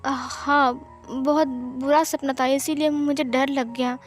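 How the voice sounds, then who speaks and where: A woman's voice: high-pitched, fairly even intonation, slow, soft background music. A woman voicing a frightened young man who stammers and repeats syllables, in a storybook reading. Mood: scared.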